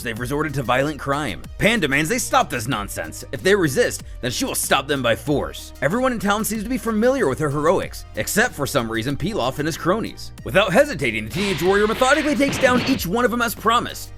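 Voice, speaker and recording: A man's voice: high-pitched, a bit bright. A man narrating a scripted story recap in a dramatic storyteller's manner, with wry, joking asides. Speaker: narrator of a fan manga recap video.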